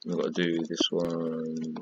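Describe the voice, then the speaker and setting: Tired low-voiced man narrating a build. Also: completely flat delivery, a little slow, lo-fi sound, noisy background. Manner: chatty, repetitive counting and pointing while building. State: tired, losing his voice. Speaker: gaming tutorial creator. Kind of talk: casual build tutorial commentary.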